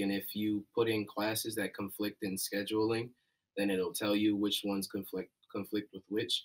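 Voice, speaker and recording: A man with a fairly low pitch and monotone, flat intonation, at a moderate pace against a quiet background. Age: 20s. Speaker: college student. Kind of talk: webinar discussion. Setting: video webinar. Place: office.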